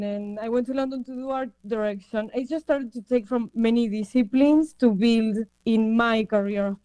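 Argentine woman, bright clear voice. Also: fairly high pitch, no room sound, poor audio. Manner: reflective, with frequent fillers and restarts. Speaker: production designer guest. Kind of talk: interview answers.

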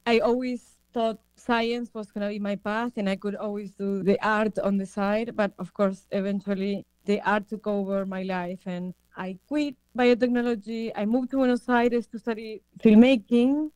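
A woman's voice: medium pitch, a little mellow, clean tone, no echo, low-quality recording. A woman in her thirties from Argentina, a production designer answering interview questions in a reflective way with many fillers and restarts.

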